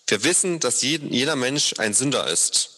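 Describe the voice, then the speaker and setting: A man's voice: mid-range voice, expressive, normal speed, bright, forceful tone. Brief: scornful religious elders, man reading, raised voice, long reverb. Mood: indignant. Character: group of indignant religious leaders.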